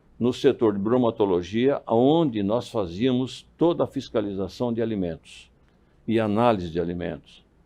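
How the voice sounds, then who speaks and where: Lively intonation marks this man's dark, mellow voice. The background is quiet. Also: medium pitch for a man, moderate pace. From Brazil, Ribeirão Preto, São Paulo state. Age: 80s+. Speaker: businessman. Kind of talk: interview. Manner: halting.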